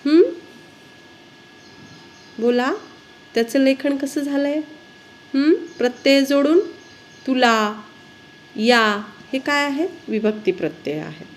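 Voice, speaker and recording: A woman teacher, giving a spelling lesson slowly and often asking her pupils questions. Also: high voice, slight background noise.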